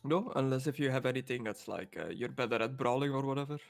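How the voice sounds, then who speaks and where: A man's voice: mid-range voice, fast talker, vocal fry, no echo, studio quality. A man running a tabletop game as game master, narrating casually with lots of fillers and laughs.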